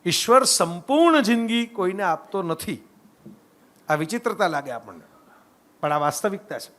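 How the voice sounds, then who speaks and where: A man's voice: sits high, lively intonation, moderate pace, a bit bright. A middle-aged man, giving a conversational lecture that mixes stories with reflection and often checks in with the audience. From Gujarat, India. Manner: conversational, keeps asking "right?" to the audience. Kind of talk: storytelling public talk.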